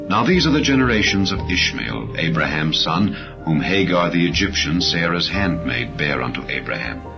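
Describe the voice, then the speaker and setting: A man reading scripture as an audiobook narrator, in a solemn, measured manner with phrases that fall at the end. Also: low voice. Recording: slightly dull audio under clear music. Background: background music.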